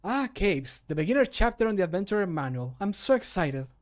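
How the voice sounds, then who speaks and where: A spirited adventurer companion from a video game, acted by a man. The pitch is pushed up high, and the delivery is theatrical and sardonic. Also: very animated, a little fast. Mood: mock excitement. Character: spirited adventurer companion exploring caves and battling.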